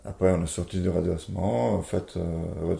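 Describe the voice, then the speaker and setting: A man's voice: low voice, fairly even intonation, normal speed, gravelly, dark tone, echoey room. A man with an Italian accent, a board game publisher talking casually in an interview, hesitant with many fillers and restarts.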